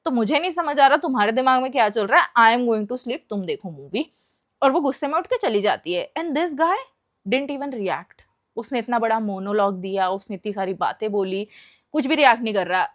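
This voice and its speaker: A young woman casually narrating a spooky story, mixing Hindi and English in an animated way. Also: high voice.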